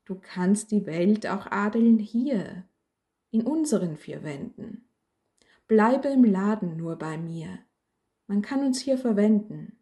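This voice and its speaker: A woman voicing a calm, wise old wooden cross that speaks in earnest rhymes. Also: medium pitch, takes it slowly. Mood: soothing. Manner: calm, earnest rhyming speech.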